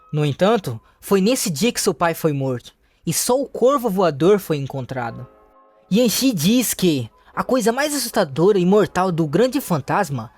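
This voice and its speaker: A man with a Brazilian Portuguese accent, narrating a comic story recap in a steady, plain third-person retelling. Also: high-pitched.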